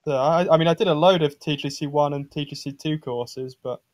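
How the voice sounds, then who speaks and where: A man's voice: on the high side, fairly quick, dry recording. A man chatting casually as a guest on a gaming stream, hesitant and modest in his way of talking. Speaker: guest golf course designer on a gaming stream. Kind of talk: casual chat.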